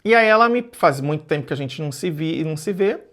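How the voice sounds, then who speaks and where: A man telling a personal story in a reflective, measured way, often repeating and rephrasing his words. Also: fairly high pitch, lively intonation, a bit bright.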